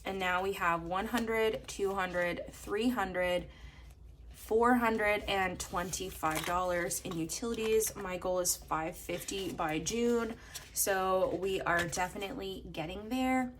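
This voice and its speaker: A young woman from Canada, slightly hoarse from a coming cold, chatting casually as she counts bills aloud in a steady rhythm. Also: mid-range voice, takes it slowly, background noise. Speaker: budgeting vlogger. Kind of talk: casual narration while counting cash.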